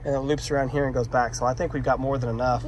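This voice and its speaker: Over a noisy crowd, a man races through a casual how-to on electrical work, chatting self-deprecatingly and explaining each step as he goes. His mid-range voice shows little pitch movement. Shot on a handheld phone, he's outside a metal shop in a muddy, rainy yard.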